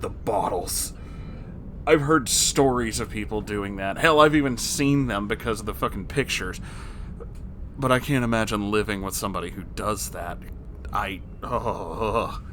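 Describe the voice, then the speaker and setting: A man reading a story aloud as host and reacting to it, with an expressive, exasperated and sarcastic manner. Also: lowish voice, a little slow, slight background noise. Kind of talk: story narration with reaction commentary.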